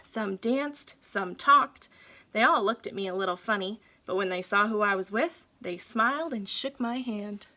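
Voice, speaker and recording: A woman reads a children's story aloud the way a teacher would, phrasing it deliberately and dramatically for young listeners. Her mid-range voice is pushed and bright.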